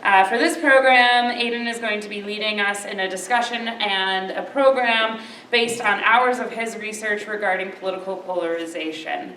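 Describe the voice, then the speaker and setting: A woman's voice: mid-range voice, fairly even intonation, normal speed, sharp tone. Woman host in an echoey room. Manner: chatty, informal, light joking. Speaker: library community engagement coordinator, event host. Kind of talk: event introduction and housekeeping announcements. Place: library event room. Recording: echoey room, distant mic, faint noise.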